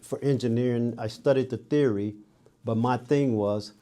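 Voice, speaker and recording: A man's voice: mid-range voice, normal speed, mellow. A man from Dallas, Texas, a guest with a biomedical engineering background speaking plainly in a casual interview.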